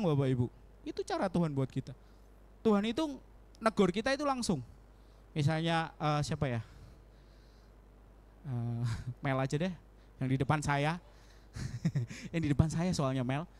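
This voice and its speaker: A young man preaching a casual sermon in a church, animated, acting out prayers in quoted voices and laughing often. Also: fairly high pitch. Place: church hall.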